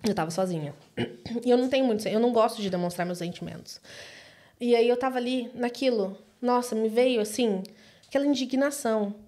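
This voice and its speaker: Brazilian woman, podcast guest, lively storyteller, slightly high voice. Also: brisk. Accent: Brazilian Portuguese. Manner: animated, acts out quoted voices. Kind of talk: casual storytelling interview.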